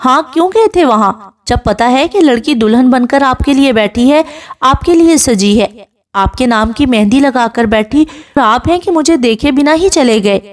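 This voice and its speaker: A woman's voice: high voice, animated. A woman voicing a tearful, sulky young bride who pleads and pouts. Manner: pouting, teary pleading.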